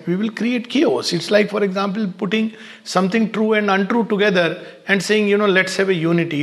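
A man giving an unhurried spiritual talk in short, pausing phrases. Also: sits high, vocal fry. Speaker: spiritual speaker.

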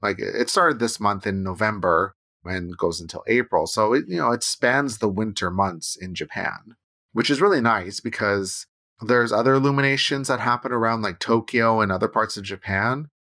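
A man's voice: lowish voice, expressive, normal speed, pushed and bright. A man in his thirties from Canada, co-hosting a casual chat with rambling, restarting sentences and tag questions. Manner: rambling, with frequent restarts and "right?" tags.

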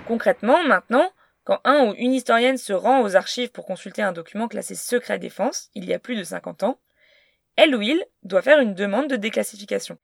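A woman narrates in a clear, explanatory scripted style. Her voice sits at a middle pitch. The recording is dry and close. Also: animated, a little fast, no echo. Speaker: podcast narrator.

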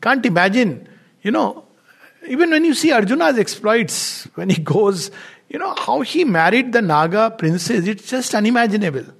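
Indian guy doing a spiritual talk, kinda high voice w lots of gravel, rambly but emphatic. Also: big pitch swings, moderate pace, fairly bright tone. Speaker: spiritual teacher giving a talk. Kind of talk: informal discourse with read-out quotations and commentary.

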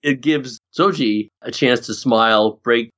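A man's voice: medium pitch, measured pace, fairly bright tone. A middle-aged man chatting casually as co-host while recapping a TV episode, joking and laughing often. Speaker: podcast co-host. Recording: dull lo-fi sound.

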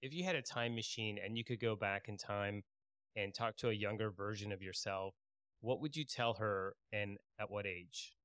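Male interviewer, clear resonant voice, measured delivery, very dry recording. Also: fairly low pitch, a bit bright, no room sound. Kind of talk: interview questioning.

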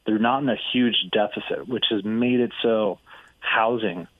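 A middle-aged real estate investor answers interview questions in a lowish, unhurried voice, energetic and fluent, often tossing in "right?" and "like." The sound is a dry, tinny phone line with no echo.

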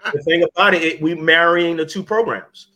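A man's voice: a little high, fairly even intonation, a little fast, bright, forceful tone, low-quality recording. A man in his fifties, a wellness business owner talking casually and plainly, often asking "you know what I mean". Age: 50s. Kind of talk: casual podcast chat.

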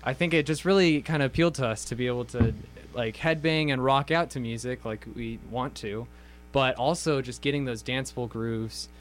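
A man's voice: medium pitch, moderate pace, slight background noise. An eighteen-year-old American man, a guitarist, explaining the band's sound in an earnest, thoughtful way during a radio interview. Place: radio studio.

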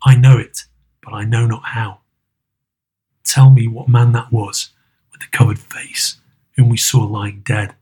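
A man voicing a frightened elderly male miser, speaking in a husky, hushed way. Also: medium pitch, steady tone, measured pace, pauses often, pitched below the performer's own voice. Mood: pleading.

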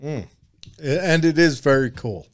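A man hosting a casual chat, hesitant and halting, reading out viewer comments. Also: fairly high pitch, lively intonation. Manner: hesitant, many fillers and restarts. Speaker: host.

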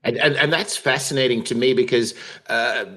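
A man's voice: mid-range voice, steady tone, normal speed, bright, forceful tone. A man from the Netherlands hosting a podcast, asking interview questions hesitantly with many fillers. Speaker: podcast host.

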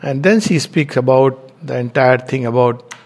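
A man's voice: mid-range voice, normal speed, darkish tone. A middle-aged man giving an earnest spiritual talk, repeating words for stress. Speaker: spiritual lecturer.

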